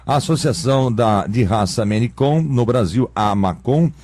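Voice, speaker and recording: A man's voice: medium pitch, lively intonation, moderate pace, darkish tone. A man with a Brazilian Portuguese accent hosting a radio interview, chatty with jokey asides. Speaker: radio host.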